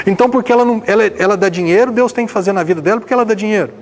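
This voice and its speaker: A male pastor preaches a sermon, firing off rhetorical questions and swinging between loud emphasis and hushed passages. His voice sits high and he speaks very fast.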